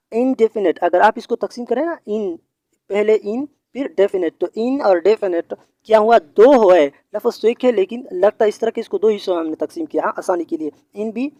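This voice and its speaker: A man's voice: sits high, darkish tone, dry recording. Patient man explaining grammar, dry sound. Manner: repetitive, patient explaining with frequent hesitations. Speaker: English grammar teacher. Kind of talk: explanatory video lesson.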